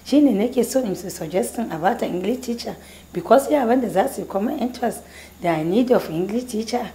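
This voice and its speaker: Soft-toned deferential Hausa teacher. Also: female voice, fairly high pitch, animated, brisk, slight background noise. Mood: respectful. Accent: Nigerian Hausa. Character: respectful female teacher petitioning her superior. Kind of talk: TV drama acting. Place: small bare office indoors.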